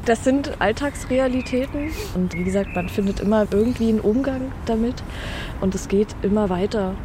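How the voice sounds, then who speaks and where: Female cultural worker, earnest, interviewed outside with clear street noise. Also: fairly high pitch, normal speed. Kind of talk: interview statement. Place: outdoor courtyard.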